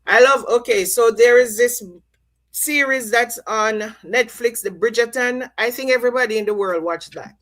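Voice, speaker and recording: A woman's voice: fairly high pitch, moderate pace, fairly bright tone. A middle-aged woman from Jamaica, chatting casually on a live stream and repeating herself as she reads out viewer comments. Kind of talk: casual chat.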